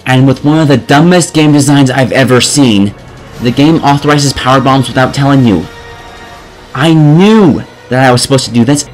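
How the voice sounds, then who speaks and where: A man reading scripted video game review commentary in a sarcastic, exasperated manner. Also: medium pitch. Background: music.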